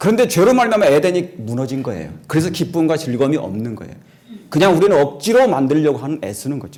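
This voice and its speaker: A man's fairly high, animated voice with very wide pitch swings, big swings in loudness, a very fast pace and noticeable background noise. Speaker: pastor. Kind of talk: sermon.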